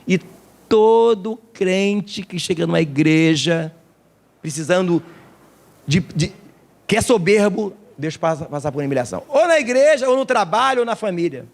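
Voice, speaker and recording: A male pastor preaching at a church service. His voice sits high for a man and jumps all over the place. A gravelly, creaky texture runs through his animated storytelling. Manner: animated storytelling with acted quotes. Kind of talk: sermon.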